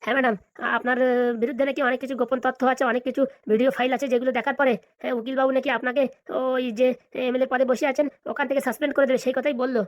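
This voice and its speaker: A woman's voice: sits high, flat delivery, racing, no room sound, natural voice. A woman voicing a deferential, hesitant junior police officer in a comedy cartoon, with a Bengali accent. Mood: nervous, deferential. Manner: hesitant, polite, rambling.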